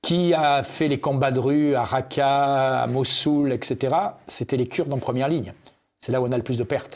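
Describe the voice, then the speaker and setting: A man with a plain, everyday voice speaks at medium pitch and a moderate pace, his intonation fairly even and his loudness very even. The recording is very clean, with a silent background. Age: 60s. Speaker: politician. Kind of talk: interview.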